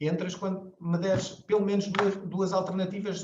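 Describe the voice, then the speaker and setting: A man speaks with a European Portuguese accent at a moderate pace, his pitch high and his intonation monotone and flat. Noticeable background noise and audible room echo fill the recording. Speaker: company director and university lecturer. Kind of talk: conference talk, Q&A. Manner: halting, many fillers and repetitions.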